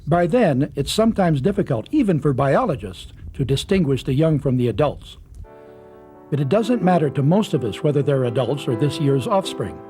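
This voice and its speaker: A man's voice: fairly high pitch, sing-song, normal speed, mellow, faint music behind. A man reading scripted narration for a nature documentary, with outdoor ambience behind him.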